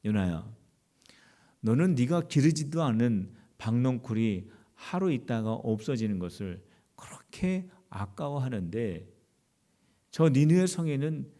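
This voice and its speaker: A pastor voicing God, slow and stern. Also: male voice, medium pitch, very animated, dark tone. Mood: rebuking. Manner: slow, questioning, fatherly rebuke. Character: patient, stern male deity questioning.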